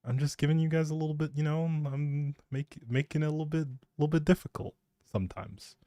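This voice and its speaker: Male streamer, soft mellow tone, casual teasing ramble, close dry mic. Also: a little high, fast, no room sound. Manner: playful, teasing, thinking aloud. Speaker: live streamer.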